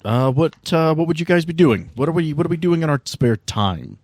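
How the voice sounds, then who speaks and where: A man's voice: on the high side, sing-song, a little fast, a little mellow, no room sound, soft background music. A man hosting as game master, chatting casually and joking playfully. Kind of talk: casual podcast banter and game narration.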